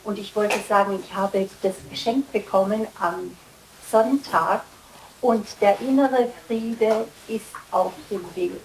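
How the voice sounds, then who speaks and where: A woman's voice: medium pitch, takes it slowly. A woman in an audience, hesitantly sharing something personal at a microphone. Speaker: audience member. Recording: echoey room with background noise.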